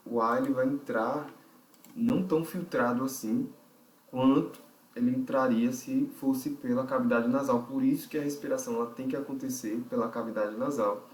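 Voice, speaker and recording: Teaching a vocal technique lesson, a man with a Brazilian Portuguese accent explains things step by step, reasons aloud and keeps checking in with whoever's listening. His voice is medium-pitched with a darkish tone, captured by a distant mic in a roomy space.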